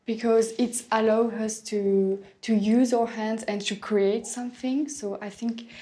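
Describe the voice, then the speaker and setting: Slow, mellow young woman, hesitant. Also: a little high, steady tone. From Belgium. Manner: hesitant, searching for words, non-native phrasing. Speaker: English speaking test candidate. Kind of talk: answering exam questions in simple sentences.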